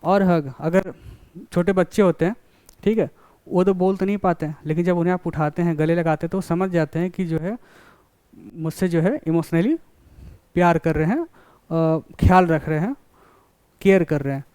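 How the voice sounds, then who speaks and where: A man's voice: a little high, normal speed, pauses often, darkish tone, clean tone, dry recording. A man giving a college lecture, explaining with classroom examples and often checking that students follow.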